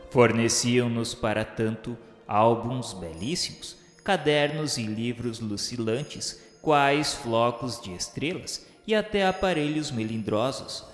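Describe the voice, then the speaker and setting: Radio novel narrator, male actor as a mournful Brazilian male spirit; stately, unhurried literary delivery, mid-pitched, in a long reverb. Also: close to an everyday voice. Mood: solemn. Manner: grave, declamatory, measured literary diction. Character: solemn, sorrowful male spirit recounting his afterlife trials. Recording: echoey reverberant voice over music. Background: music.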